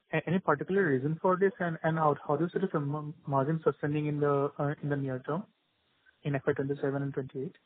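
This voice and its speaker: A man calling in as an analyst, asking questions politely on an earnings call. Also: fairly high pitch. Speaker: analyst caller. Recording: tinny phone line.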